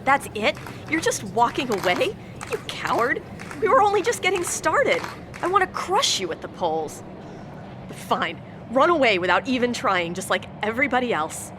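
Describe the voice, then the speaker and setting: A woman's voice: a little high, big pitch swings, normal speed, noisy background. A woman playing a combative, self-righteous politician running for mayor, speaking in pompous, cutting speeches in an audio drama. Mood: scornful. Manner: forceful, pompous public speechmaking with cutting insults.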